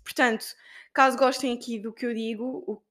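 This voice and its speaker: A young woman with a European Portuguese accent chatting on her own podcast, rattling off stories from her week with plenty of fillers and asides. Her voice sits somewhat high, and she talks with an easy, lively informality. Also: a little fast. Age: young adult. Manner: chatty, animated storytelling, lots of fillers. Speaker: podcast host and student. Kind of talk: casual solo podcast chat.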